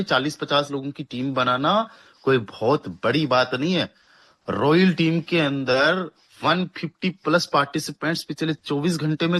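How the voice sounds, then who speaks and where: A young man giving a persuasive sales pitch for a network marketing plan, hyping earnings and repeating figures to his listeners. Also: sharp tone.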